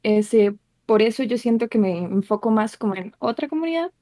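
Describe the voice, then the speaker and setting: A young woman from Costa Rica speaks calmly and thoughtfully as a guest in a casual chat. Her voice is fairly high and sits close and dry, with no room sound. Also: moderate pace, no room sound. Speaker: content creator guest.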